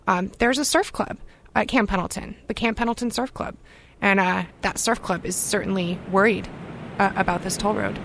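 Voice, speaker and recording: A woman's voice: medium pitch, steady tone, moderate pace, vocal fry, noisy background. A woman earnestly telling an anecdote about her outreach work. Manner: earnest storytelling.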